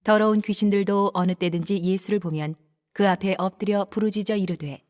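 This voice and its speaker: A woman narrating scripture in a steady, even scripted reading. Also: medium pitch, fairly quick.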